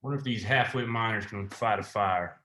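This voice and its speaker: A man's voice: lowish voice, moderate pace, sharp tone. A man playing a menacing, corrupt small-town sheriff in a script read, commanding and contemptuous. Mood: cold, scornful. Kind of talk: screenplay table read. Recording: roomy, echoing sound.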